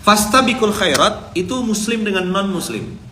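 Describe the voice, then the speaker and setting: Bright-voiced, fairly high male preacher, conversational storytelling, echoey room. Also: lively intonation, moderate pace, a little hiss or hum. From Indonesia. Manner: chatty, storytelling, acts out dialogue. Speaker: ustadz preacher. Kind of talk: casual Islamic sermon. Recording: echoey room with faint ambience.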